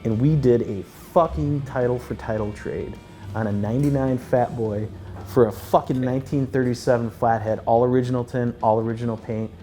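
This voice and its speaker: A man's voice: mid-range voice, steady tone, moderate pace, mellow, soft background music. A man in his forties telling a long, profane, rambling story in a casual chat, full of fillers and restarts.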